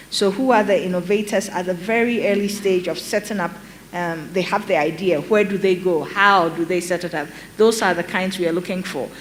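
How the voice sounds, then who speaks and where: A middle-aged woman from Ghana with a Ghanaian accent, explaining a program on a conference panel in a measured way, with many ums and restarts. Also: lowish voice, slight background noise. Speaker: panel speaker.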